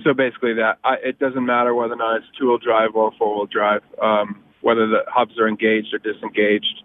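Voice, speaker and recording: Flat-voiced man calling in by phone. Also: lowish voice, a little hiss or hum. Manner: halting, many ums and uhs. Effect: heard over a phone line. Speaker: caller to a car advice show. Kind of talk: calling in to radio talk. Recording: tinny phone-line call.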